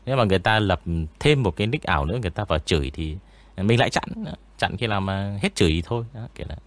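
In a relaxed, meandering interview, a man who narrates ghost stories talks with frequent pauses. His voice is fairly low in pitch and has a spooky, eerie sound.

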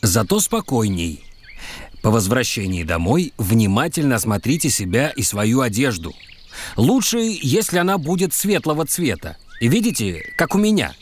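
A man playing a doctor out mushroom picking, who explains safety rules calmly and patiently. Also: medium pitch, moderate pace, slight background noise, lightly acted. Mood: instructive. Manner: calm, instructive, explains patiently.

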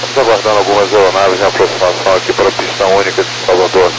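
A man's voice: low voice, flat delivery, rapid-fire. A man speaking as an airline captain, giving a cabin announcement to passengers. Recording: noisy cockpit radio with hum.

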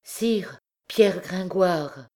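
A woman's voice: on the low side, expressive, very slow, a little mellow, pitched above the performer's own voice, exaggerated voice. A woman reading the part of an anxious vagabond poet who pleads his innocence before a king, in an audiobook. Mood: pleading.

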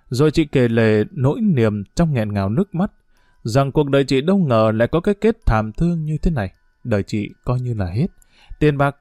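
A man narrating a news feature in a steady, grave reading voice. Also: mid-range voice, no room sound, studio quality. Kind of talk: scripted documentary narration.

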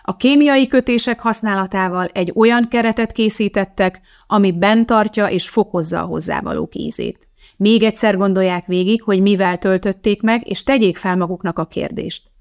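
A woman's voice: medium pitch, natural voice. A woman reading the part of a precise, blunt woman chemist, lecturing in a matter-of-fact way. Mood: instructive.

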